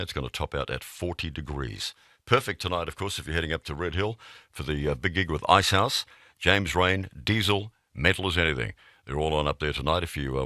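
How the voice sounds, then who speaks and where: A man's voice: extremely low pitch, sharp tone, no echo. An Australian man presenting a music radio show in a casual style, close on a studio microphone. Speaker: radio host.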